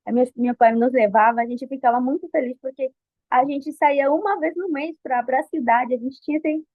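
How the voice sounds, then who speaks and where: Her voice is high-pitched and her speed normal as this Colombian guest in her twenties nervously answers personal interview questions. She speaks Portuguese as a second language with a Colombian Spanish accent, hesitating and restarting frequently. The dry, phone-like audio has no room sound.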